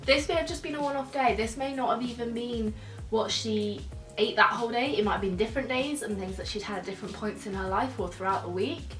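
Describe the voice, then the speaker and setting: In an echoey room with soft music behind, a nutrition student reacts to videos, talking to camera in a chatty, explanatory way full of "so" and "yeah". She's young, croaky and stuffed up from a cold, with a fairly high, brisk voice caught a bit off-mic on a distant mic.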